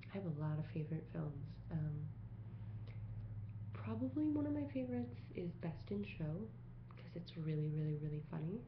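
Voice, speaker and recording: A soft-spoken woman whispers in an American accent. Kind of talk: casual talk to camera. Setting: ASMR video, close microphone. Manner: soft-spoken, whispered.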